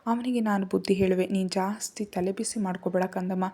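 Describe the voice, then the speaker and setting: A woman reading the lines of a young man, an elder brother, who speaks softly and fondly to his younger sister. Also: mid-range voice, steady tone, fairly quick, slightly rough, natural voice. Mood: tender.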